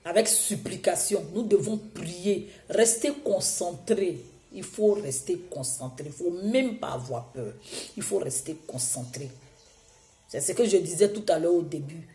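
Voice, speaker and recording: Woman preacher, hoarse from a cold, low voice, mellow tone, emphatic and repetitive. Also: lively intonation, unhurried, echoey room. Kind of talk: sermon.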